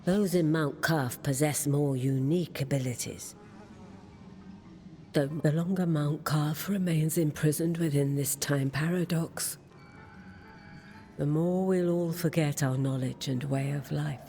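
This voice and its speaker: A woman voicing an ancient, cryptic merchant in a video game, with a breathy, creaky voice and a measured, ominous delivery. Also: low-pitched, fairly even intonation, dark tone, soft background music. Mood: wry, knowing. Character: ancient, cryptic mystical merchant warning travelers. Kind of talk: video game character acting.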